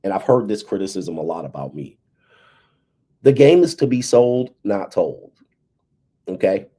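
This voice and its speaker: A man's voice: lowish voice, expressive, unhurried, warm tone, slightly rough. A man in his fifties giving casual, emphatic commentary on dating and relationships, often tagging his points with "right?" and "okay". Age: 50s.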